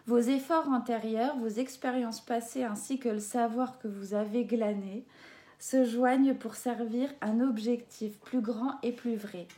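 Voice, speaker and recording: A woman's voice: on the high side, mellow. A French woman doing an oracle card reading, reading the card texts aloud and adding hesitant comments with many fillers. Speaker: tarot and oracle card reader.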